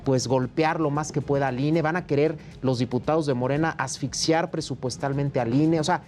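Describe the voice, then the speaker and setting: A man's voice: fairly high pitch, fairly even intonation, normal speed, darkish tone, faint music behind. Emphatic Mexican man on a panel. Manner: emphatic, argumentative. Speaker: opposition party politician guest. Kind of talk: political panel discussion.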